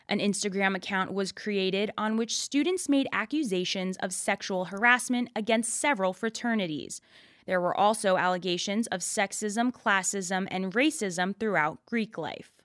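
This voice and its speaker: A woman's voice: medium pitch, a bit bright, dry recording, studio quality. A young woman narrating a scripted news report as a student radio reporter. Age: young adult.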